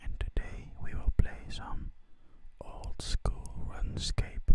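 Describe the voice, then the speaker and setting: A man whispers in a relaxed tone. His pace is very slow. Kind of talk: gaming ASMR commentary. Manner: whispered, relaxed.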